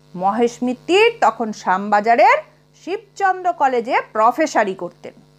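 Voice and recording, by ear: A woman's fairly high voice with big pitch swings at a fairly slow pace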